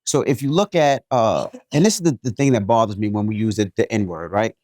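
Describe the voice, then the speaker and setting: A man from New York City co-hosting a podcast, reading a listener's email aloud and then giving his take in a joking, animated way. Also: fairly low pitch, fairly quick, dry recording. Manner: animated, jokey, repeats himself. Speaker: podcast co-host.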